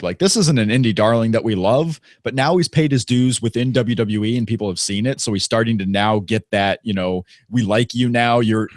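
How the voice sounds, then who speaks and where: Male co-host from Indiana, mid pitch, dry close sound, rambling casual talk. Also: dry recording. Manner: rambling, many fillers and restarts. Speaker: podcast co-host. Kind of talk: casual wrestling chat.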